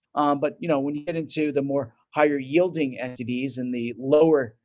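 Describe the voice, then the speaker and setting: A man with an American accent speaks fairly quickly at medium pitch. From New York. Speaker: family office investor. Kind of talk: panel discussion.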